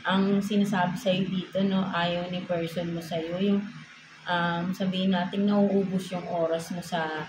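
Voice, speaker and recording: A woman's voice: fairly low pitch, level tone, unhurried. A woman with a Filipino accent giving a casual tarot reading, code-switching and ending most phrases with a questioning "no?". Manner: code-switching, frequent tag "no?". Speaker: tarot reader. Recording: echoey room with noise.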